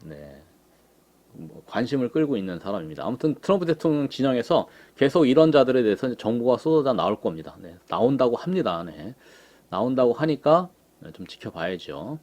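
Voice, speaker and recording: Unhurried man giving political commentary. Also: medium pitch, sing-song, a little mellow. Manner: unhurried, with frequent "ne" and "ye" fillers. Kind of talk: casual commentary on images.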